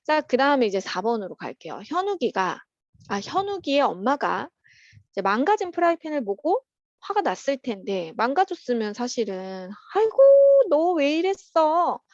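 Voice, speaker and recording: A woman teacher talks children through their workbook answers in a patient, chatty way, her somewhat high voice rising and falling a lot. The sound is dry and close, with a slightly dull, lo-fi quality. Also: sing-song, no echo. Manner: patient and chatty, opens steps with "자" and fills pauses with "어". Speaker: teacher at a private academy.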